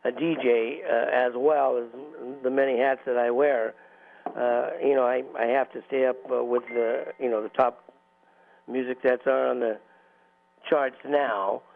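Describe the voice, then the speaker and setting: A man's voice: medium pitch, fairly even intonation, measured pace, creaky. A man hosting a local radio talk show as DJ, chatting loosely with many fillers and restarts. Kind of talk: casual radio chat. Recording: tinny phone-like radio audio.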